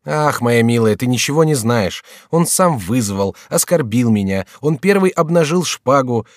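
A man voicing a rash young nobleman with a sardonic, brisk manner, in an audiobook reading. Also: mid-range voice, expressive, dry recording, clean studio sound, pitched above the performer's own voice, natural voice. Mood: wry.

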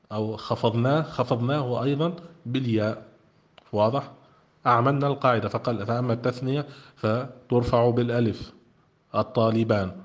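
Man teaching grammar, dull lo-fi sound. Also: medium pitch. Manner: reads a text aloud, then explains it with questions to the listeners. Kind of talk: classroom grammar lesson.

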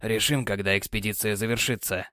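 Brief: gruff, sighing old sea captain, read by a male narrator, low and quiet. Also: fairly even intonation, brisk, no room sound, clean studio sound. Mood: weary. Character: weary, gruff older sea captain, tender husband. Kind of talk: audiobook character voice.

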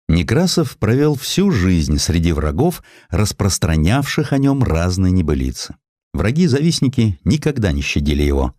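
A man reading a historical essay as an audiobook narrator, in an expressive, reflective and dramatic literary storytelling manner. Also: low voice, dry recording, studio quality.

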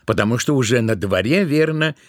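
A man narrating a literary tale in an audio drama with expressive, dramatic storytelling. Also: mid-range voice, brisk, dry recording, clean studio sound.

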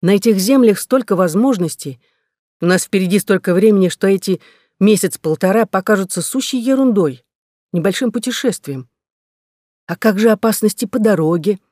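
A man's voice: high voice, lively intonation, normal speed, darkish tone, no room sound, voice pushed up. Guy reading as a young woman settler pleading her case, earnest, dry close sound.

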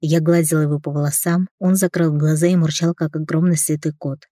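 A woman reading a romance story aloud in the first person, with lively expression. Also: low-pitched, fairly quick, no echo, studio quality. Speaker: audiobook reader.

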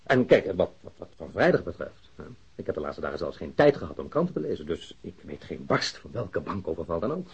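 Defiant male suspect: dark, very raspy, evasive and irritated, radio-play recording. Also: deep voice, big pitch swings, brisk, heavily acted. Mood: defensive. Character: defiant, indignant male airline worker held as suspect. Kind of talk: Dutch radio play acting. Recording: dull lo-fi radio drama recording.

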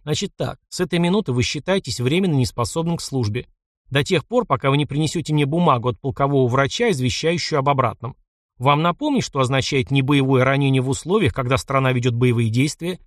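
A man's voice: mid-range voice, quick pace, no echo, close to an everyday voice. Guy doing a stern old colonel barking orders, audiobook, dry close sound. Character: stern commanding older male colonel. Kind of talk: audiobook character voicing.

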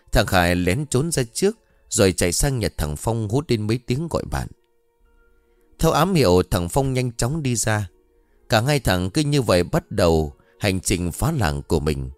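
A man narrating a scripted ghost story in an expressive storytelling manner. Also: on the low side, dry recording. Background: faint background music.

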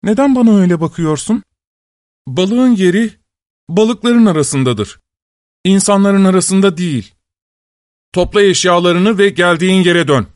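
A young fish wife from a storybook speaks high and pleading, voiced by a man narrating. Her raised voice sounds dry and close, with no room around it. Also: animated, a little slow, long pauses, dry recording. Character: sharp-tongued fish wife, young woman.

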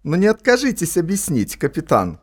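A stiff, formal port official. His politeness is bureaucratic, and his fairly high voice rises and falls in very lively swings. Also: fairly quick.

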